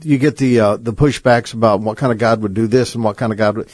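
A man hosting a Christian radio talk show, conversational and a little halting, with many fillers. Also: fairly low pitch, fairly even intonation, darkish tone, dry recording.

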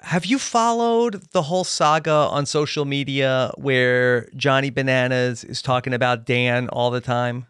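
A man's voice: mid-range voice, measured pace, hardly any pauses, a bit bright, clear, resonant tone. A man hosting a podcast, chatting easily and asking his guest questions. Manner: easygoing, asks questions. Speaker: podcast host. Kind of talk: casual podcast chat.

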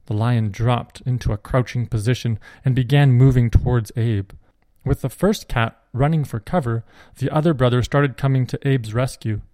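A man reading a Christian children's adventure story aloud in a steady, clear narration. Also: mid-range voice, normal speed, no room sound, clean studio sound.

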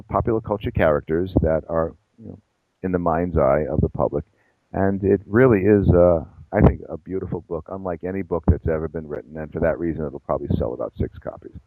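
Middle-aged male guest, very deep voice, wry and self-mocking, frequent restarts. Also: dry recording, narrow, tinny audio. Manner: self-deprecating, discursive with many restarts. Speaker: guest psychologist and professor. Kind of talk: conversational interview answers.

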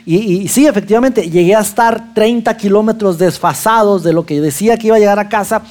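A man with a Mexican accent telling a lively personal anecdote to an audience, acting out his own lines as he goes. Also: high voice, fairly quick.

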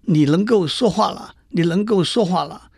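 A harsh, jealous sorceress queen from a storybook fable, as a man reads her lines. The voice is high-pitched and gravelly, and it sounds close and dry. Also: normal speed, a little mellow, no room sound, exaggerated voice. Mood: eager.

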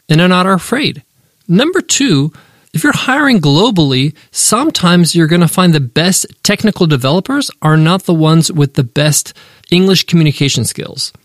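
A man hosting a business podcast, giving emphatic, animated advice and listing his points one by one. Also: fairly high pitch, dry recording, studio quality. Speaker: podcast host.

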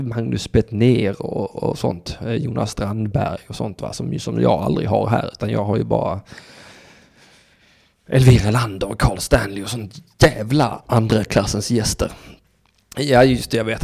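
A man's voice: medium pitch, gravelly, a little mellow, husky. A man hosting a call-in show on his own, rambling, sarcastic and profane as he talks straight to his listeners and the chat. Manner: addresses listeners and chat directly. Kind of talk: casual solo call-in radio monologue.

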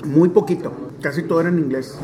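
Chatty northern Mexican man, higher voice. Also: fast, crowd noise. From Monterrey, Mexico. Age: 40s. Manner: chatty, animated, many fillers. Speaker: stadium DJ and announcer. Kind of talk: relaxed storytelling interview.

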